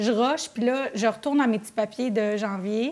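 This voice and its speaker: A woman with a fairly high voice speaks at a moderate pace against noticeable background noise. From Quebec, Chambly. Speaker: comedian. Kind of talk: casual chat. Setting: studio.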